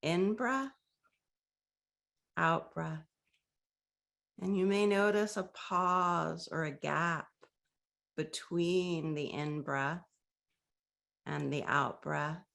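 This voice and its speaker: A woman guides a breathing meditation, her soft voice gently inviting. She talks very slowly with long pauses between phrases, and her slightly low voice carries a noticeable gravelly fry.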